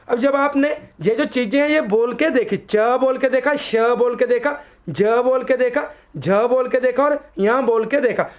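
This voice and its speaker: A woman teaching an online exam-prep lesson. She addresses viewers as friends, slowly sounds out letters for them to repeat, and poses quiz questions that she answers herself in a lower voice.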